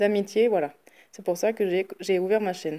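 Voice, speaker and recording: Her voice is dark and mellow, a woman speaking at a medium pitch. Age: 30s. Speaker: YouTuber, crafts hobbyist and postal worker. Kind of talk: casual chat. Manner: hesitant, many filler words.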